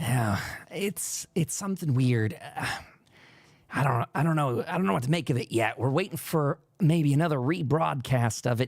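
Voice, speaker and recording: In a put-on character voice, a man sounds raspy, with fairly high pitch, lively intonation and a moderate pace. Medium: actual play. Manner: rambling, hesitant.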